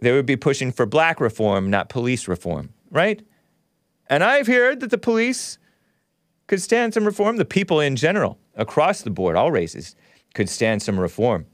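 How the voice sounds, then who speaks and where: A man in his thirties hosts a casual call-in talk show. His voice sits at a medium pitch, recorded dry with very little room sound. He speaks bluntly, in relaxed slangy phrasing. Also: normal speed, no room sound. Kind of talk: casual call-in commentary and caller chat.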